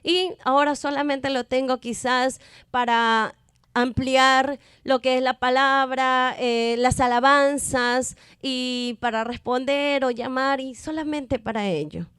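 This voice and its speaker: A woman gives a testimony sermon in a high, smooth, resonant voice. She presses her point with emphatic, repeated rhetorical questions. The sound is dry and close. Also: fairly even intonation, unhurried, fairly bright tone, no echo. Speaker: preacher.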